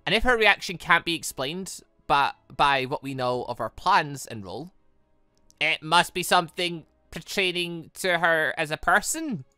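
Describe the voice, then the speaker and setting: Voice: medium pitch, unhurried, smooth, dry recording, soft background music. A gaming video host reading visual novel dialogue aloud and breaking off into offhand commentary. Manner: animated, breaks off into asides and stumbles while reading.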